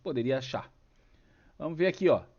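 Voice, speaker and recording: Brazilian man with a cold, lively talk. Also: mid-range voice, brisk, dull audio. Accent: Brazilian Portuguese. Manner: conversational, rhetorical questions. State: sick with a cold and cough. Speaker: host of a stock market channel. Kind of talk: casual market analysis over charts.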